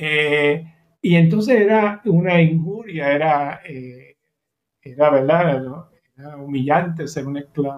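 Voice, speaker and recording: The pace is very slow, with ordinary pitch variation. Loudness swings widely. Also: man, fairly high pitch for a man. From Puerto Rico. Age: 70s. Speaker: writer and professor. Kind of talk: interview conversation.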